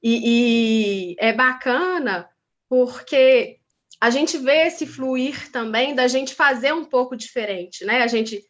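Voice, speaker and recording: Soft-spoken woman, fairly high voice, dull call line. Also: takes it slowly. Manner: gentle, polite, hesitant. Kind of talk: casual panel conversation.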